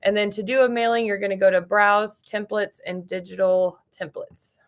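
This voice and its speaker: A woman's voice: medium pitch, fairly even intonation, normal speed. A young woman presenting a casual tutorial, informal and instructive. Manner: informal, instructive, asks short questions.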